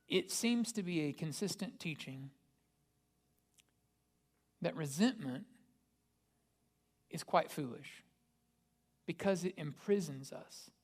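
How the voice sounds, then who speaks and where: Man preaching a casual, chatty sermon. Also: fairly high pitch. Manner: casual, asks the listeners rhetorical questions. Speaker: pastor. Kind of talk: conversational sermon.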